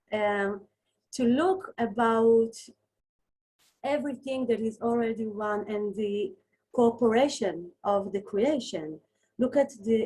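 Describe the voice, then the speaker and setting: A very slow, somewhat breathy delivery in an Israeli accent, with lively intonation and long, frequent pauses. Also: woman. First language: Hebrew. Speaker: near-death experiencer, former lawyer. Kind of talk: interview. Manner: halting.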